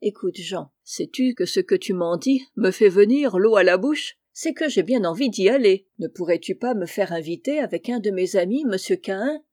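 A woman reading as a jovial prankish gentleman. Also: mid-range voice, expressive, normal speed, few pauses, natural voice. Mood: amused. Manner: teasing, good-humoured.

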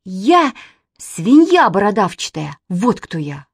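A chatty, stubborn little girl, as a woman reads her aloud, high and eager, firing off questions in a storybook reading. Her voice leaps and swoops and sounds dry and close. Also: big pitch swings, slow pace, husky, dry recording, exaggerated voice. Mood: heated.

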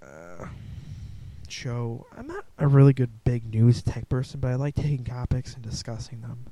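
Young Midwestern guy, gravelly dark voice. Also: mid-range voice, big pitch swings, normal speed, dry recording. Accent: Midwestern American. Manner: rambling, self-deprecating, restarts. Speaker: podcast host. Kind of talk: casual solo podcast chat. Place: home room. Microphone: close desk mic.

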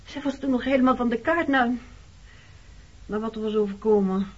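A woman's voice: fairly high pitch, normal speed, close to an everyday voice. An actress playing a weary, defensive woman in her thirties, haunted by her wartime past, in a radio play. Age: 30s. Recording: dull old radio play recording.

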